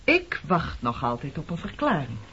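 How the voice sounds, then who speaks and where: An actress in a Dutch radio play playing a bitter, defiant middle-aged woman who speaks reproachfully with a sharp tongue. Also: low-pitched, wildly swooping pitch, normal speed, slight background noise, full character voice. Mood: indignant. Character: bitter, defiant woman confronting an old comrade. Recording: dull, muffled radio play recording.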